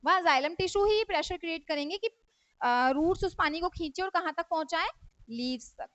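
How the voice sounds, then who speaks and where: Her pitch is extremely high and her tone fairly bright as this woman briskly lectures a school science class. She answers her own questions to the students and slips English terms into what she says. The dull, lo-fi recording is dry, with no room sound.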